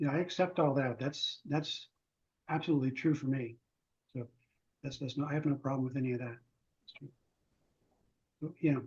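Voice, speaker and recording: A man's fairly high, somewhat breathy voice shows big swings in loudness. Long, frequent pauses break up his speech. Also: fairly even intonation, moderate pace. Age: 70s. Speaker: call participant. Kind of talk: casual chat. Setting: video call. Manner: halting.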